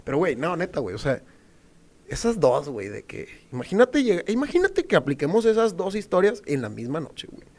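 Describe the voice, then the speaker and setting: A man's voice: a little high, huge pitch swings, a little fast. A young man telling a story in casual chat, slangy, laughing often and swearing freely.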